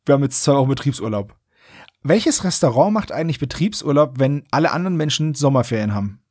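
A man's voice: medium pitch, lively intonation, quick pace, darkish tone, no room sound, studio quality. A man hosting a podcast, recapping a story in casual, colloquial chat with mock-indignant asides. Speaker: podcast host. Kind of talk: casual chat, recapping and commenting on an audio drama.

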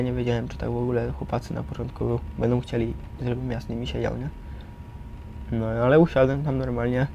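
A young man recalling his experiences casually and haltingly, in slangy speech peppered with tag questions. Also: mid-range voice. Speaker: resident of a youth correctional centre. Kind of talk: casual personal recollection. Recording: some steady background noise.

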